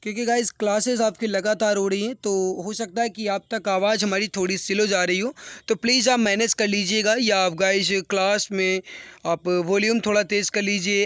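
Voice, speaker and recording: Male exam tutor, sore throat. High, smooth voice, dry close sound. Earnest and encouraging, repeats every question. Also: fairly bright tone, no room sound. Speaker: exam-prep teacher. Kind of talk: online exam practice class.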